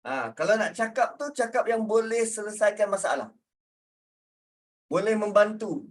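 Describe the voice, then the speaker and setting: In a high, animated voice at normal speed, a Malaysian Malay-accented man teaches religion in a relaxed, conversational lecture. He uses familiar everyday examples to explain what words mean.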